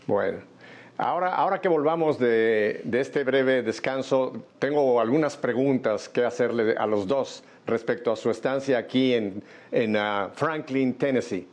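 A man's voice: medium pitch, measured pace, a little mellow. An older man hosting a Spanish-language radio interview, chatty and jovial. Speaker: radio host. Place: studio in Miami.

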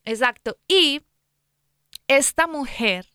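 A woman's voice: sits high, animated, slow, bright, forceful tone, no room sound, clean studio sound. A woman co-hosting a casual faith talk, retelling a Bible story in a chatty, folksy way with lots of "pues" asides. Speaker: Christian talk co-host.

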